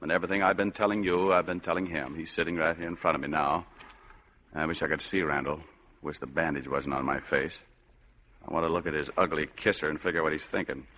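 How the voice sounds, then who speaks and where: An actor playing a wisecracking hard-boiled private eye in an old-time radio drama, dry and sardonic. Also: male voice, very deep voice, steady tone, fast talker. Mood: brooding. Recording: dull old radio broadcast.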